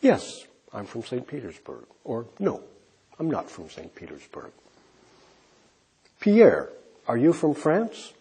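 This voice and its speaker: A man teaching an English lesson, slowly modelling questions and answers for learners. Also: mid-range voice, huge pitch swings. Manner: modelling example answers clearly, trailing off softly. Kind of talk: slow, deliberate classroom instruction.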